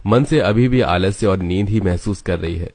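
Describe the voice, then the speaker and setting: A male narrator reads a scripted animated family story. His voice sits fairly low and he keeps a steady storytelling pace. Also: moderate pace, no room sound.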